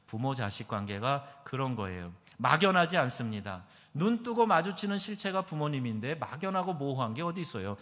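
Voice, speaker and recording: A man, a pastor, preaching a sermon emphatically, asking his congregation questions and moving between loud stresses and soft asides. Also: mid-range voice, very animated, brisk, hardly any pauses. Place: church sanctuary. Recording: long hall reverb.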